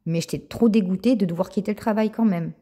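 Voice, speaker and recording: A woman giving a spoken Christian testimony to her viewers, animated, repeating words and calling them her friends. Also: medium pitch, quick pace, husky. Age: adult with a child. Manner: retells dialogue in quoted voices.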